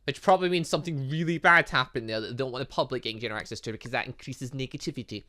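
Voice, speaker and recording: Casting: man as curious fantasy academy student in a visual novel, doubtful, conversational, bright voice. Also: mid-range voice, very fast, lightly acted. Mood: matter-of-fact. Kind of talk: reading visual novel game dialogue aloud.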